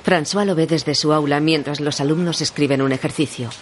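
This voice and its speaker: A narrator calmly reading audio description of the scenes between lines of dialogue. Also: mid-range voice, brisk. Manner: even, descriptive.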